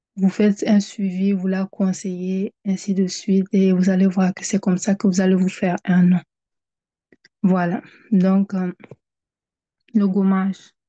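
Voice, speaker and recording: Very slowly, with long, frequent pauses, a woman speaks in a flat monotone at medium pitch, her somewhat breathy voice dark and mellow in a dry, close sound with no echo. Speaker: skincare instructor. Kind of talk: tutorial. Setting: recorded on computer.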